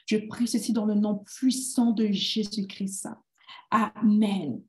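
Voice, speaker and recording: A woman's voice: medium pitch, fairly even intonation, slow pace, dark tone, roomy sound. A woman from Canada hosting an online Christian finance challenge, talking energetically to a live audience, mixing in English words and repeating herself before leading a prayer. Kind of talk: live-streamed teaching and prayer.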